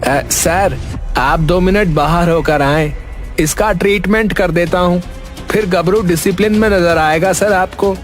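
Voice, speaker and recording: A man's voice: high voice, measured pace. A man voicing a short, boastful, hot-headed young man in a cartoon, talking in a brash, threatening way over background music.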